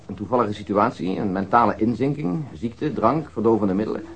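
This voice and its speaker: An actor in a radio drama playing an earnest, methodical police detective, speaking in a measured, serious, explanatory way. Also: male voice, on the low side, animated, gravelly, poor audio. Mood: earnest, grave.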